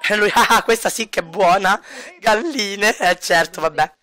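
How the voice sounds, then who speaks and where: A man's voice: high voice, a little slow, pushed and bright. A man voicing a laid-back, cocky joker in a life-sim game playthrough, teasing and ribbing in an easygoing way. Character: lazy, joking, cocky man who teases.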